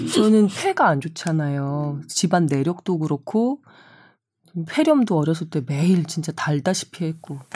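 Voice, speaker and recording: With a dark, mellow tone, a woman talks at a fairly low pitch with ordinary pitch variation. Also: fairly slow pace, very clean recording, silent background. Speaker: radio announcer and podcast host. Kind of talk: casual chat. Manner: less forceful than usual.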